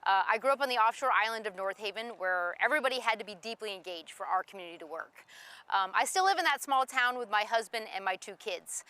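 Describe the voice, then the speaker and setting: Middle-aged woman candidate from Maine, earnest, bright, somewhat high voice, "um" fillers. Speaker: political candidate. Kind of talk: recorded campaign interview.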